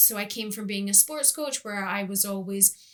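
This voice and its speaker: In a Scottish accent, a woman speaks at a moderate pace. Her pitch is medium. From Scotland, Highlands. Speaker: breathwork meditation facilitator. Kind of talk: solo podcast monologue.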